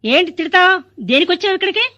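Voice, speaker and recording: A woman's cheeky, retorting voice in a comic sketch. She speaks high and fast, and the recording has a dull, lo-fi sound. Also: animated, sharp tone. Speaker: comic actress playing a nurse.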